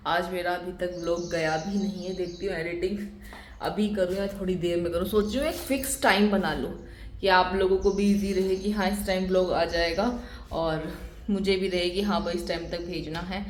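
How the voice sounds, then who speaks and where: A young woman from India chatting casually to her viewers as a vlogger, talkative and quick to laugh, filming on a phone around her family home. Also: lowish voice, steady tone, a little hiss or hum. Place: family home, indoors and outdoors.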